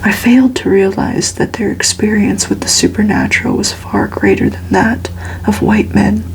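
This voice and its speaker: A woman reading a story aloud in a hushed, unhurried, soothing ASMR whisper, as if for relaxation. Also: mid-range voice, steady tone, a little hiss or hum, rough recording. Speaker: ASMR reader.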